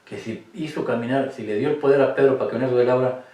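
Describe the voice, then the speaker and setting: A man's voice: medium pitch, fast talker, warm tone. A man leading a Catholic Bible study, speaking emphatically and posing rhetorical questions to his listeners. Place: room with cameras. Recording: echoey room, distant mic.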